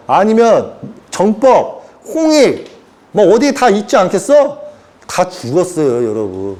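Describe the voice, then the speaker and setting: A man's voice: high voice, warm tone. A man giving an informal sermon lecture as a self-styled prophet, acting out characters in put-on voices and chuckling as he talks.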